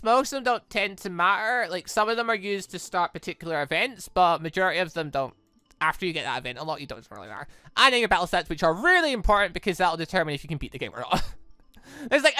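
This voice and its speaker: A gaming video host with a high-pitched, bright and forceful voice gives casual let's play commentary on a close mic, reading visual novel dialogue aloud. The sound is clean with no room sound, game music plays behind him, and he rambles, frequently correcting himself in asides.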